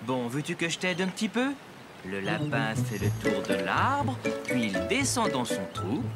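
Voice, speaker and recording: A man voicing a patient, encouraging young father in a children's cartoon, gentle and reassuring. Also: mid-range voice, wildly swooping pitch, unhurried. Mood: gently instructive. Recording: loud music bed behind voice.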